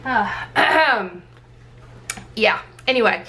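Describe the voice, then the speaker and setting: Female vlogger, fairly high voice roughened by illness, casual and rambling, noticeable background noise. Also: animated, extremely slow, pushed and bright. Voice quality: hoarse. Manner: rambling, thinking aloud. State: sick, losing her voice. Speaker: planner vlogger and sticker shop owner. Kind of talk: casual chatty plan-with-me vlog. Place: indoors at a desk.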